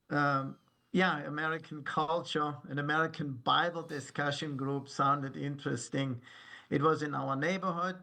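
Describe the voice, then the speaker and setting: A German-accented man in his sixties speaks slowly and reflectively, telling his story as a guest on a video call. His voice is gravelly and bright with a slightly high pitch, and he often laughs at himself. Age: 60s. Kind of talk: interview over video call.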